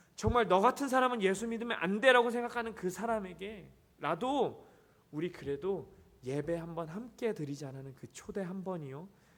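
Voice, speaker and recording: A high-pitched man at a moderate pace, with lively intonation and big swings in loudness. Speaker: pastor. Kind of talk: sermon.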